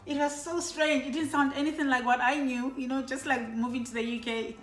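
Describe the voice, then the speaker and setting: A woman's voice: sits high, steady tone, brisk. A middle-aged woman from South Africa chatting casually with her son, remembering their move abroad. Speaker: vlogger. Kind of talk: casual chat. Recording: echoey room with faint music.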